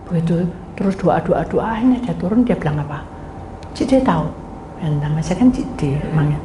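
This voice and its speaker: A woman's voice: on the low side, expressive, fast, dark tone. A middle-aged woman pastor preaching a sermon, telling stories and acting out voices as she addresses her congregation. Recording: echoey room, faint ambient noise.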